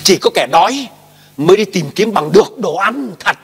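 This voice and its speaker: A man's voice: high voice, animated, moderate pace, a bit bright, husky. A male pastor preaching a sermon emphatically, posing questions and asking the congregation to repeat after him. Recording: long hall reverb.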